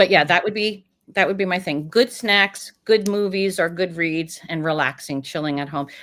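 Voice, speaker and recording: A woman speaks in a normal speaking voice at a medium pitch, with hardly any pauses. Her pace is moderate and her pitch variation ordinary. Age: 60s. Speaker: actress. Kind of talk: casual chat.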